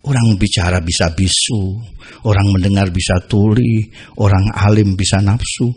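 A man with a low, husky voice recites a satirical poem. He places each phrase with dramatic weight and measured pauses. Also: steady tone, darkish tone. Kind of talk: poetry recitation.

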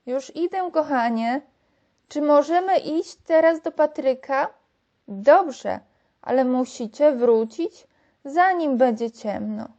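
A woman voicing a caring mother in a storybook, speaking calmly and motherly. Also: sits high, takes it slowly, lo-fi sound, exaggerated voice. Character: warm, caring mother of young children.

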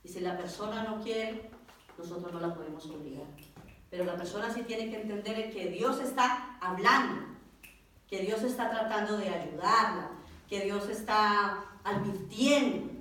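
A woman's voice: medium pitch, measured pace, a bit bright. A Colombian woman preaching a testimony sermon, telling her story with feeling and acting out the voices. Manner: emotional storytelling, acts out voices. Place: church hall. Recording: very echoey church from far off.

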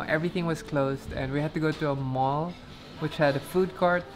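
A woman's voice: low voice, steady tone, normal speed. A woman narrating a casual travel vlog on the go, upbeat and chatty, from airports, streets and a hotel room. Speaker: travel vlogger. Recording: noisy street ambience.

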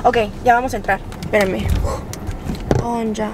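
A woman in her twenties chatting casually to camera inside a car, animated, slangy and self-deprecating. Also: on the high side, moderate pace. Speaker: vlogger. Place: inside a car, driving and parked. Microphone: camera on dashboard. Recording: faint car noise.

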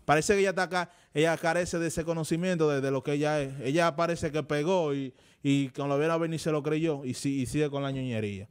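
A Dominican man co-hosting a studio debate, his voice pitched somewhat high. He rants in an indignant, scolding way and stumbles over his words, with a yelp now and then when he acts out a story. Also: a little fast, few pauses, smooth. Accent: Dominican Spanish. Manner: indignant, scolding, tells anecdotes with animal yelps. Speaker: co-host of a talk show.

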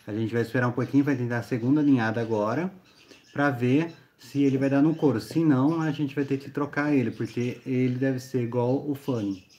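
A man's voice: mid-range voice, steady tone, fairly quick, dark tone. A man, a bird breeder and co-host, explaining matter-of-factly on a casual livestream. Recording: slightly dull livestream audio.

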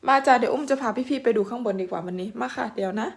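A woman from Thailand giving a chatty home-tour vlog indoors, talking warmly to her viewers through a camera mic. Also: fairly high pitch, racing, vocal fry. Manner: chatty and warm, addresses viewers as older siblings. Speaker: vlogger. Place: indoors in a house under renovation. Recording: echoey room, distant from mic.

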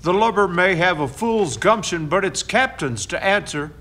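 A man's voice: sits high, animated, moderate pace, sharp tone, full character voice. An actor playing a salty, peacemaking riverboat crewman with a folksy, colourful way of talking in a radio drama. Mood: wry warning. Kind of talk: stage-like radio drama acting.

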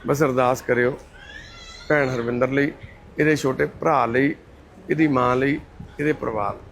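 A man, gently reassuring a distressed woman and counting money aloud. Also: medium pitch, steady tone, moderate pace. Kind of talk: comforting talk with a distressed woman. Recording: crowd noise in background.

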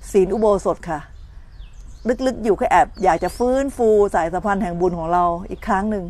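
In a medium-pitched, slightly mellow voice, a middle-aged woman leads a morning dharma talk as a meditation teacher. She narrates stories, performs complaining voices, and pauses to confirm people are following along.

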